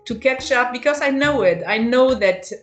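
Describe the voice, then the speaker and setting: A woman with a German accent, a holistic practitioner giving thoughtful, halting examples in a spiritual conversation. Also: on the high side, highs cut off, faint music behind. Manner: thoughtful, halting, many restarts.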